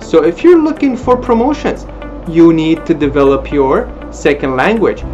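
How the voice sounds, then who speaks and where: A man in his thirties whose first language is Armenian explains things to camera in a lively, animated way, gesturing as he talks. His voice comes through a dull, lo-fi webcam recording made in a small room. Music plays clearly behind him. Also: on the high side, moderate pace. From Middle East, Arabic-speaking country. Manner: lively, expressive, gestures with hands. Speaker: language school presenter. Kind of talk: informational talk to camera. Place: small indoor room, plain wall.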